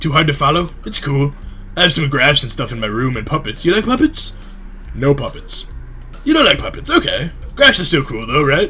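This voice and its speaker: At a fairly quick pace, a man performs a put-on character voice over clear music in the background. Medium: read story. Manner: fast, energetic, rambling.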